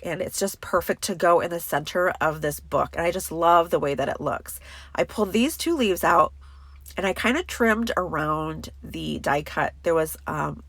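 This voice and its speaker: A woman's voice: on the low side, vocal fry, a bit bright, no room sound. Stuffy-nosed woman, chatty crafting voice-over. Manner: chatty and enthusiastic, many fillers. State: stuffy, congested voice. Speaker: crafting tutorial host. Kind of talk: casual voice-over craft tutorial.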